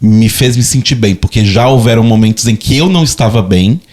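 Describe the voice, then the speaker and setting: A man's voice: on the low side, fairly quick, darkish tone. A man in his thirties with a Brazilian accent, co-hosting a podcast in casual chat, reflective and hesitant, often repeating words as he searches for them. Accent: Brazilian Portuguese. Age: 30s. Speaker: podcast co-host.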